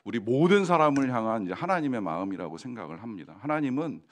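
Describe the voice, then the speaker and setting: A man's voice: medium pitch, big pitch swings, quick pace. A man preaching a Sunday sermon in a church, talking conversationally with many fillers and asking the congregation questions. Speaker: pastor. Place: church sanctuary.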